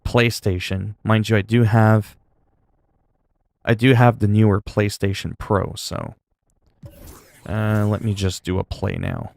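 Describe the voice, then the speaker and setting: Man, low gravelly voice, dry close sound, rambling gameplay chat. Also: steady tone, takes it slowly, pauses often, a little mellow, no room sound. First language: French. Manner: rambling, self-talk with laughs and asides. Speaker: gaming streamer.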